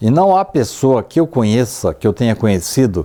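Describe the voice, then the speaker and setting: A man speaks at a fairly slow pace and a medium pitch. His tone is dark and mellow. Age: 70s. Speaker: spiritist speaker and author. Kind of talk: interview on a religious program.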